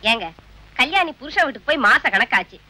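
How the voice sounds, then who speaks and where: A woman's voice: sits high, very animated, fairly quick, bright, forceful tone, dry recording. A woman as a wife pleading with and nagging her husband in film comedy dialogue. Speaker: wife, mother.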